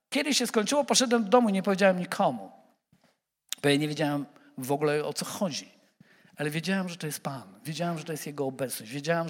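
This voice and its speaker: A man preaching a sermon who speaks straight to the congregation, animated and repeating words as he stumbles. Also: sits high, long reverb tail.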